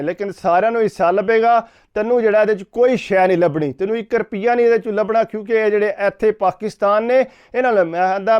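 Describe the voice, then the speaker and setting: A man retells a story for his vlog, framing every line with "he said". His voice sits high and rolls on quickly, smooth and clear. The recording is dull and lo-fi. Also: a little mellow. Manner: rapid retelling, every sentence framed with "he said". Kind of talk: casual storytelling to camera.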